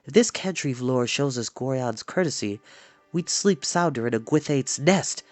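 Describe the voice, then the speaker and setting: A man voicing an earnest, modest young wandering hero in a storybook, speaking in a measured way. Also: medium pitch, lively intonation, no room sound, close to an everyday voice. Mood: earnest, wary. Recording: music behind the voice.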